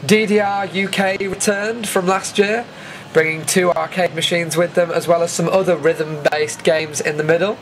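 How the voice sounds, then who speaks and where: A British man with a slightly high voice gives a casual vlog commentary over event footage. He is chatty and informal, talking the listener through what is shown. There is noticeable ambient noise behind him. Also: fairly even intonation, moderate pace, a bit bright. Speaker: vlogger presenting an event recap.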